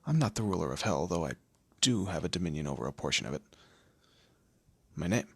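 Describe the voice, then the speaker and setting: A man performs a smug male demon lord for an audio roleplay. His low voice is husky and swoops with theatrical condescension. He is proud and teasing, as if torment were office work. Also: expressive, a little fast, darkish tone, dry recording, heavily acted. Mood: amused disbelief. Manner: theatrical, condescending, drawling, with amused asides. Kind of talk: scripted audio roleplay addressed to the listener.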